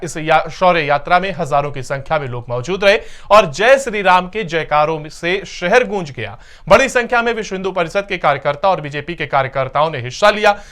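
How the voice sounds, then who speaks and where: A man's voice: sits high, fairly bright tone. A man reading scripted television news as an anchor, in a formal announcer delivery with emphatic stresses.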